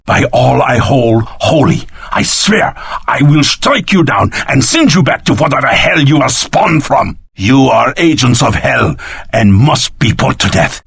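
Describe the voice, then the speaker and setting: An actor playing a vengeful, imperious sorcerer ruler in a fantasy video game, declaiming in a grandiose, theatrical manner. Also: male voice, mid-range voice, gravelly, a bit bright, husky, no echo, heavily acted.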